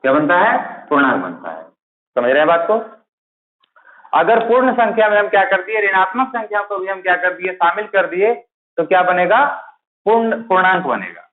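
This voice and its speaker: A man's voice: high-pitched, sing-song, moderate pace. A man teaching math for teaching exams, who keeps asking a question and then answering it himself, repeating the key terms. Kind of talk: classroom-style lecture. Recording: tinny, phone-like, echoey room.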